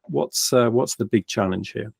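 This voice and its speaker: A man's voice: fairly low pitch, moderate pace, vocal fry, darkish tone, husky, no echo, studio quality. A man hosting an interview, asking questions with hesitant, searching phrasing and many uhs. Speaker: interview host.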